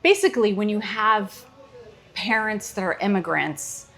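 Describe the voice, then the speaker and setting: A woman's voice: mid-range voice, a little slow, fairly bright tone. Joking Chicago woman comedian. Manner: joking, playful banter. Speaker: comedian host. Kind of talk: casual chat.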